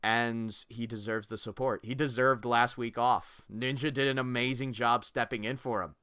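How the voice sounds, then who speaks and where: A man's voice: mid-range voice, steady tone, moderate pace, bright, forceful tone, clean tone, no echo, studio quality. A man hosting a livestream, talking casually and earnestly as he thanks viewers. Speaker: livestream host.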